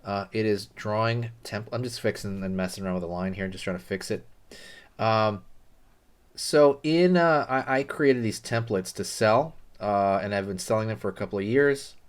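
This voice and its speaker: A man's voice: on the low side, moderate pace, smooth. A man hosting a casual drawing tutorial, talking loosely with lots of fillers and friendly asides while he draws.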